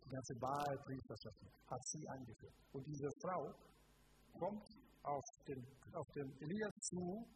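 Guy preaching at church, fairly high voice, keeps asking the crowd questions, lots of noise on the tape. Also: a little slow. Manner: emphatic, asks the congregation direct questions. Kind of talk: live sermon. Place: church service before a congregation.

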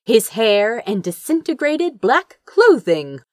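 A woman's voice: on the high side, very animated, takes it slowly, a little mellow, no room sound, clean studio sound. A woman reading a fantasy story aloud as narrator, with theatrical, suspenseful delivery. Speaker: fan fiction narrator.

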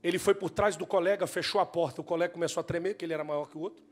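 A male pastor telling a story in a sermon, moving from hushed narration to shouted preaching. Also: on the high side, fairly even intonation, rapid-fire.

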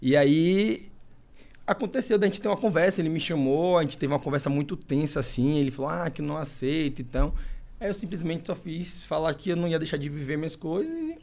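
A young man from Brazil talks rapidly as an interview guest. His voice sits a little high, and he breaks off, restarts and pushes on through an emotional personal account. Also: animated, a little mellow. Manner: emotional, halting, many restarts and fillers.

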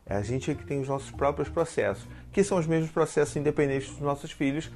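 A father with a Brazilian Portuguese accent gives casual parenting advice to the camera, chatty and animated, often checking in with the viewer. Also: on the high side, fast talker, faint music behind. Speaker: parenting content creator and father.

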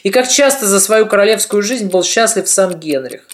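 A woman narrating a history podcast in a measured, reflective storytelling manner. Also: mid-range voice, animated.

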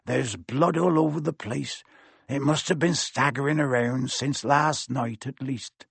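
Guy doing a big growly groundskeeper for an audiobook, rough husky voice, country talk, stern but kind. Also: medium pitch, a little slow, dry recording. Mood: grave, instructing. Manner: growling, rustic dialect with dropped grammar. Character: big gruff male groundskeeper, fierce but kindly.

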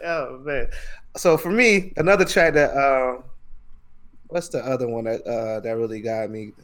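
A man co-hosting a podcast, chatting in a relaxed, reflective and agreeable way. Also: mid-range voice, unhurried. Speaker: podcast co-host. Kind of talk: casual podcast chat.

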